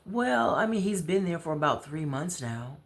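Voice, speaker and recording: An American woman voicing a troubled, proud mother in a story, confiding in a halting, conversational way. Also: deep voice, big pitch swings. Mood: weary.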